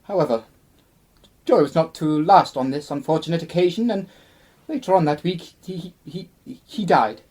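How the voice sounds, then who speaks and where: A woman's voice: low voice, moderate pace, a little mellow, breathy edge. A woman playing a vain, easily offended male actor in his twenties, grandiose and melodramatic, in a radio play. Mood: grandiose, sorrowful. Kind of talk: theatrical radio play acting.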